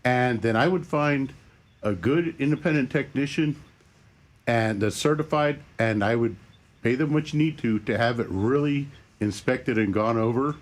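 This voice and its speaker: A man on a talk show giving plain, steady advice about car maintenance. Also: mid-range voice, moderate pace. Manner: plain, steady, matter-of-fact. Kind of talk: practical advice.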